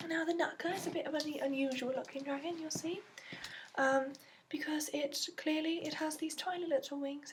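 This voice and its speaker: A woman playing a gentle instructor of dragon companions in a soft-spoken ASMR roleplay with a put-on accent, often near a whisper, explaining hesitantly with many ums. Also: sits high, a little hiss or hum. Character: gentle female instructor briefing new dragon companion recruit.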